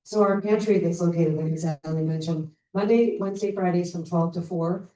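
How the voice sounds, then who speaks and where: A woman's voice: on the low side, steady tone, normal speed, dark tone. A woman presenting a charity's services at a community meeting, upbeat and informal with many fillers. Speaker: charity program representative. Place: public meeting room. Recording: roomy distant meeting-room mic.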